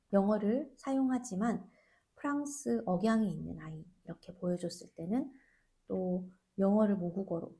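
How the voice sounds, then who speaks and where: Woman, language-teacher podcast host, low-ish mellow voice, gentle explainer. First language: Korean. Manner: soft, thoughtful, asks listeners questions.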